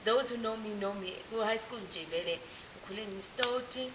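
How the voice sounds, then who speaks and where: A South African woman, a gospel singer, chatting in a relaxed way as an interview guest, mixing Zulu with English, laughing often and telling lively stories. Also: on the high side, brisk. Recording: hissy background noise.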